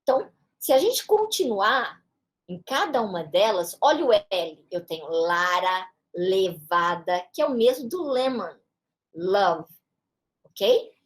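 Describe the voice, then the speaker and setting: A woman's voice: medium pitch, sing-song, takes it slowly. A woman teacher with a São Paulo Brazilian Portuguese accent, explaining a lesson patiently and checking in with short tag questions. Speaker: English teacher. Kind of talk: classroom-style lesson explanation.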